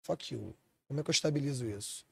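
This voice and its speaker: A man's voice: medium pitch, fast talker, creaky, a bit bright, breathy edge, no echo. A man from Switzerland, a chef and restaurant owner, talking animatedly in a casual podcast chat and swearing freely.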